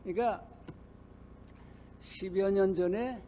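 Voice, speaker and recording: An older male pastor preaching a sermon, telling a personal story in a halting way with many pauses. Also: high-pitched, mellow, highs cut off, a little hiss or hum. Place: church sanctuary.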